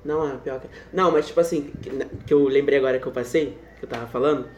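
A young Brazilian man with a Brazilian Portuguese accent, telling a funny story in casual chat, animated and laughing often, with restarts. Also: mid-range voice, fast, slight background noise. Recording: echoey room.

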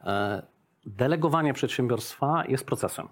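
A man's voice: medium pitch, lively intonation, moderate pace. A middle-aged man speaks as an interview guest and explains his ideas through examples. He talks in a chatty way and keeps adding a questioning "tak?" to his points. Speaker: interview guest, business owner. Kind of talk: casual business interview.

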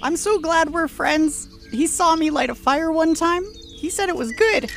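Creaky-voiced, high, eerily polite odd child. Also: female voice, measured pace, soft background music, exaggerated voice. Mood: innocent, earnest. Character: odd, meek, hollow child named Dirt, eerily polite. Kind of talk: improvised audio drama roleplay.

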